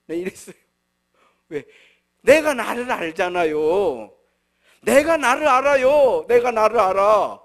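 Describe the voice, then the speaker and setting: A middle-aged man preaching a sermon as pastor, telling stories and acting out quoted voices, with swings from soft murmurs to loud emphatic bursts. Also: high-pitched, lively intonation, slow, pauses often. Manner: storytelling, acts out quoted voices.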